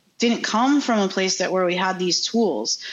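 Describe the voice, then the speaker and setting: With lively intonation, a woman speaks at a medium pitch in an unremarkable speaking voice. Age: 50s. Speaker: spiritual practitioner and harm reduction founder. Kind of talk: casual interview. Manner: casual with many fillers.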